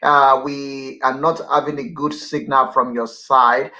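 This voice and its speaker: A man's voice: medium pitch, little pitch movement, a little slow, bright, forceful tone, dull audio. A man hosting an online radio interview show, talkative and prone to repeating himself. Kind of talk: broadcast interview.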